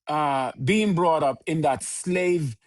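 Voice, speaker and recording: A man, a podcast guest who speaks in a measured, preaching cadence with repeated phrases. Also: on the high side. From Jamaica. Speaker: podcast guest, organization leader. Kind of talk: earnest conversational interview answers.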